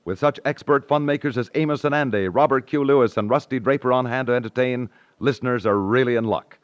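A man's voice: medium pitch, quick pace, dry recording. An American man announcing in a polished, upbeat 1950s network radio style, reading scripted promotion. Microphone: dry studio announcer mic. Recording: dull vintage 1950s radio recording.

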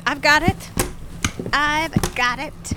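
A woman playing a feisty, stubborn older mother, brisk, teasing and deadpan, in a naturalistic audio drama. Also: high voice, noisy background. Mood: insistent.

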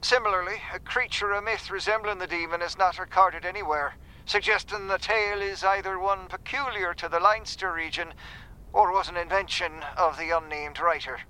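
Male narrator for an audio drama, solemn and deliberate, high bright voice. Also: steady tone, clean tone, poor audio. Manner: solemn storytelling, slow deliberate phrasing. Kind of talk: scripted narration of a folk tale.

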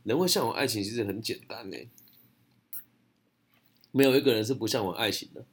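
A young man with a Taiwanese Mandarin accent fields audience questions in a casual Q&A monologue. His lowish, slightly rough voice moves briskly, and his answers are blunt, slangy, and chatty.

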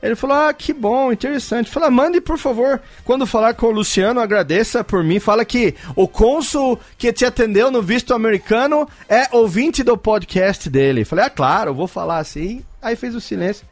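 A man's voice: very high-pitched, moderate pace, hardly any pauses. A Brazilian man, a podcast host, telling a story to friends in casual chat, acting out both sides of a conversation. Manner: animated, acts out both sides of a dialogue.

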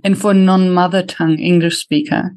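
A native German speaker hosts a conversational podcast in English with a German accent. The voice sits at a middling pitch, and the delivery is thoughtful and questioning. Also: steady tone, a little fast, darkish tone. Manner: thoughtful, asks questions, speeds up when explaining.

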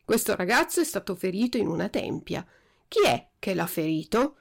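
A woman's voice: medium pitch, sing-song, moderate pace, creaky. A woman voicing a stern male policeman who gives curt commands in a storybook reading.

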